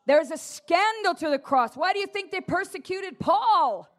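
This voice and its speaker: High-voiced animated woman preaching. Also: normal speed. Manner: animated, playful, mimics listeners, shouts and laughs. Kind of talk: lively charismatic sermon.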